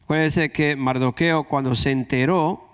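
A man's voice: on the high side, steady tone, moderate pace, clean tone. A man with a Dominican accent preaching a conversational sermon, repeating key phrases for emphasis. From Dominican Republic.

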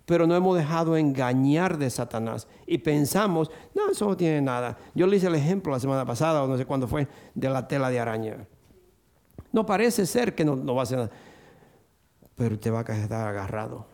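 An older man preaching a sermon to a church congregation, acting out the voices he quotes and rising to high, excited bursts. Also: fairly quick.

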